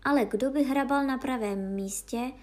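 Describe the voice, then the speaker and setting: A woman's voice: high voice, a little mellow, natural voice. A woman voicing an old female dog fairy who tells tales in a savouring, storytelling manner.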